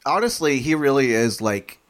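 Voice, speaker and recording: A man's voice: medium pitch, very animated. A man co-hosting a podcast, chatting casually and joking. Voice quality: joking, quick asides. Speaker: podcast co-host. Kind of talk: casual chat.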